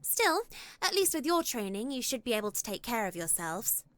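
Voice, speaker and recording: A woman's voice: a little high, very animated, moderate pace, no echo. Reserved, tentative young woman. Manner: tentative, polite. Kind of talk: visual novel voice acting.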